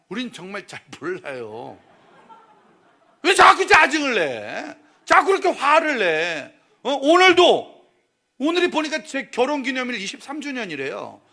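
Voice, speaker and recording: A middle-aged male pastor preaching a lively, humorous sermon in a church, teasing and questioning the crowd. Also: high voice. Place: church sanctuary.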